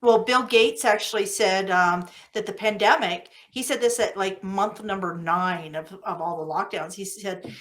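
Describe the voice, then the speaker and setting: A woman's voice: mid-range voice, moderate pace, fairly bright tone. A woman from the United States hosting a podcast interview, chatty and enthusiastic. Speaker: podcast host.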